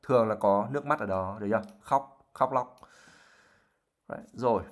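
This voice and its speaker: A man's voice: on the low side, moderate pace. Brief: male language teacher, patient explainer, lots of fillers, livestream lesson. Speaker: English teacher.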